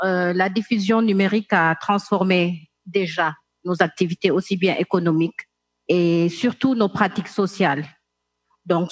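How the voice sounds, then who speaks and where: A woman with a Senegalese accent giving measured, explanatory remarks as a panelist in a discussion. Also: mid-range voice, no room sound.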